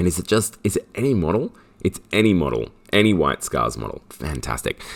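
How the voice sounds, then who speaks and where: A man at a moderate pace, with vocal fry. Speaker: wargaming content creator. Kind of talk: game rules discussion. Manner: hesitant, many fillers.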